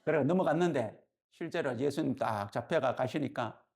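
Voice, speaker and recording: A male pastor preaching a sermon as lively storytelling, constantly checking in with the congregation. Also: medium pitch, moderate pace, creaky.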